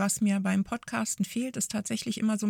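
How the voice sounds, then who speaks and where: The voice is somewhat breathy. The sound is dry and close, with no echo. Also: woman. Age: 50s. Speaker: podcast host. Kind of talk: personal monologue. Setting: alone at home mic. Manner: unscripted, with fillers.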